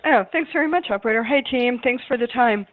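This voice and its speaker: A woman with a raised pitch asks questions as a financial analyst on a conference call. She is polite and conversational. Her audio is close and dry, squeezed through a phone line. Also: fast, no room sound.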